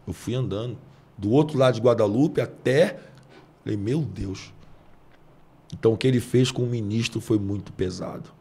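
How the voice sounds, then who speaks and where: A man, a preacher earnestly telling a personal testimony on a podcast, going soft and low when moved. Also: normal speed, husky.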